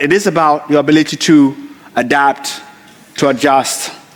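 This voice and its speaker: A man speaks with a South African accent and ordinary pitch variation. Noticeable background noise sits behind him. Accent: South African twang. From South Africa, Free State. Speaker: motivational speaker, former pastor. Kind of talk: motivational talk.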